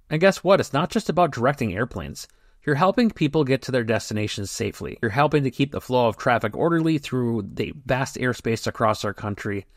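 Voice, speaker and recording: American man, podcast host, medium pitch, semi-scripted explainer delivery, very dry close sound. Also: no echo.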